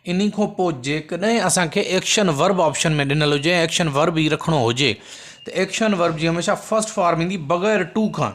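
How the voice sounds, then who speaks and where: A man teaching English grammar, explaining patiently and repeating points, reading example sentences slowly. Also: fairly high pitch, fairly bright tone. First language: Sindhi. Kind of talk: recorded lesson explanation.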